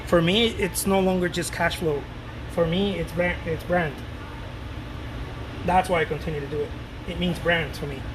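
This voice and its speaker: A man in his late thirties talking casually to his viewers as a painter, loose and animated, repeating words and swearing now and then. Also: on the high side, normal speed, pauses often, background noise. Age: 30s. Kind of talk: casual rambling talk to camera.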